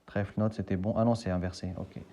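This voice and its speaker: A man's voice: low-pitched, steady tone, fast talker, warm tone, a little hiss or hum. A man casually thinking aloud and spelling out letters as he scratches lottery tickets for a video.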